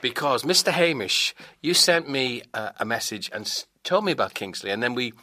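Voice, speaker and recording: Effusive male radio host, bright voice. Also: mid-range voice, animated, moderate pace, no room sound. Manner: effusive, repeats words of praise. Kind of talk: on-air interview.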